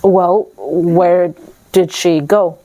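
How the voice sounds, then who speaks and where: A woman's voice: fairly low pitch, steady tone, drawn-out words, dark tone, pitched below the performer's own voice, low-quality recording. A woman voicing La Muerte, a cranky, impatient female skeleton Death in a told folk tale. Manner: grumpy, exasperated, swearing.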